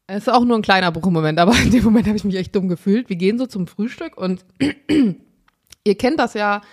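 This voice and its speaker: A woman's voice: mid-range voice, fairly quick, a little mellow, slightly rough. A woman co-hosting a podcast, telling an anecdote in a casual chat and acting out the dialogue in raised voices with frequent laughter, recorded in a hotel room. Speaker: podcast co-host.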